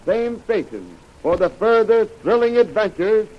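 A man's voice: high-pitched, big pitch swings, a little slow. An American man reading a script as an old-time radio announcer, dramatic and declamatory. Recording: muffled, noisy old radio recording.

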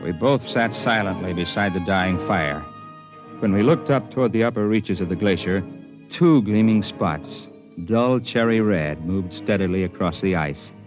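An actor narrating as a tough, plain-spoken mountain climber in a 1950s radio drama, on an old broadcast recording with faint music. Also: male voice, sits low, normal speed, highs cut off, lightly acted. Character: tough mountain climber, grown man, dry humor. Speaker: narrator and lead.

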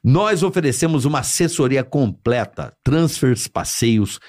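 A man's voice: medium pitch, lively intonation, unhurried, a little mellow. A middle-aged man hosting with loose comic banter and sponsor reads, talking in informal street slang and swearing casually. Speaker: talk show host reading sponsor spots.

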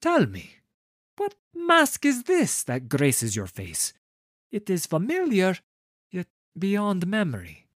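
A man's voice: high-pitched, huge pitch swings, slow pace, no room sound, pitched above the performer's own voice, full character voice. Storybook role: fretful male troupe master, read by the narrator, raised and obsequious, with a dry studio sound. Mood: flustered. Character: fretful, fawning male theater troupe leader. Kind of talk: storybook character voice.

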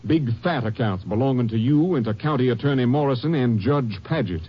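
Husky, commanding Ranger captain. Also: male voice, medium pitch, lively intonation, fairly quick. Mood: stern, sardonic. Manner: authoritative, emphatic, folksy. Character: commanding, dryly sardonic Texas Ranger captain. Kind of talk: 1950s old-time radio western acting. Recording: muffled vintage radio broadcast.

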